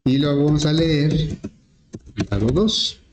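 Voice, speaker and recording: A male teacher explaining an algorithm step by step in a relaxed lesson, with frequent fillers. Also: on the high side, slow. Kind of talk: programming lesson. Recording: echoey classroom with faint noise.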